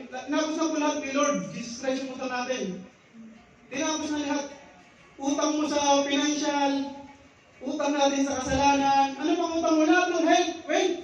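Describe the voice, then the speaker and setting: High-voiced man preaching in an echoey room. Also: far from the mic, a little hiss or hum. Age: 30s. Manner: repeats phrases, adds frequent tag questions. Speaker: church brother giving a devotional. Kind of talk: Bible sharing with prayer and story.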